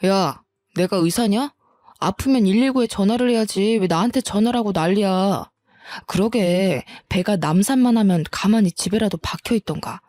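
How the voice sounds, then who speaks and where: A woman's voice: medium pitch, normal speed, mellow, no room sound, close to an everyday voice. A woman voicing a cold, irritated young husband who speaks curtly and with scorn on the phone. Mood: scornful. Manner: curt, scornful.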